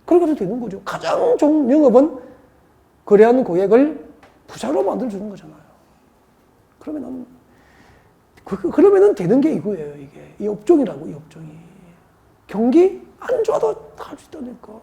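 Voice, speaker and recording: A woman's voice: fairly high pitch, very animated, a little fast, vocal fry, pauses often, dark tone. A woman from Seoul giving an exam-prep lecture, firing rhetorical questions and drilling mnemonics by repetition. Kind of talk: classroom lecture.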